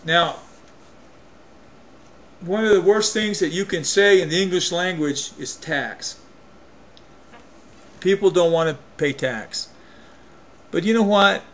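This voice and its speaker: A man with a voice pitched a little higher than most men rants into the camera in a folksy, emphatic way. He keeps restarting and doubling back on his phrases as he talks. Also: takes it slowly, pauses often, a bit bright. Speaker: vlogger. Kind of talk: opinion rant to camera.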